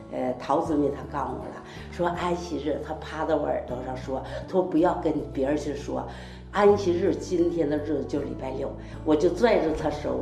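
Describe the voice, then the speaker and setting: In a low, gravelly, dark voice, an older church member delivers a heartfelt, meandering testimony full of quoted conversation. The room echoes, and faint music plays in the background.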